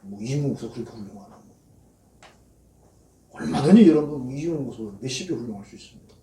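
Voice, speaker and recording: Preaching in a church sanctuary, this male pastor is a fast talker with a warm, animated, medium-pitched voice. His sermon unfolds as folksy storytelling, with quoted prayers performed mockingly, and the echoey recording places him at a distance.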